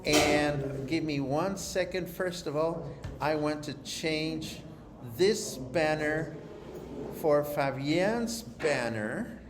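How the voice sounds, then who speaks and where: Man, bright playful live show host, echoey room with noise. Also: fairly high pitch. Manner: playful, chatty, drawn-out phrasing. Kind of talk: live interview chat.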